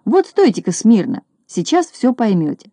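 A woman voicing an excitable little male shorty farmer in a storybook, shouting with excitement. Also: fairly high pitch, normal speed, no echo. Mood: boastful.

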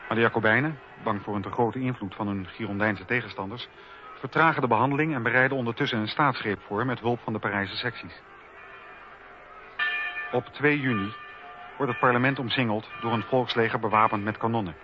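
Male documentary narrator, medium pitch, scripted historical storytelling, dull radio sound, faint music behind. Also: a little fast.

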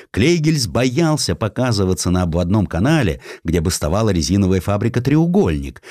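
A male narrator reads historical sketches in a theatrical, ironic manner. His voice sits fairly low but moves through very wide swings of pitch. The sound is close and dry, from a studio. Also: darkish tone, no room sound. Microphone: close studio microphone.

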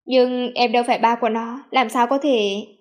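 A woman's voice: a little high, fairly even intonation, normal speed, darkish tone, lightly acted. A woman voicing a devoted, emotional young man who speaks earnestly and pleadingly.

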